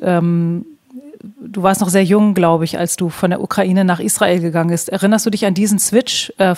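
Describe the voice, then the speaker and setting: A woman's voice: mid-range voice, a little mellow. A woman from Germany hosting a conversational interview, curious and friendly as she asks her guests questions. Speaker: host.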